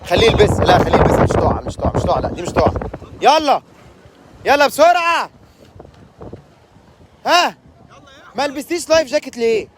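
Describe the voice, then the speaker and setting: A man with an Egyptian accent, hosting a boat trip vlog outdoors at sea, loudly teasing and urging people on. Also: extremely high pitch, animated, a little fast, long pauses, background noise. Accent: Egyptian Arabic. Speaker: tour host.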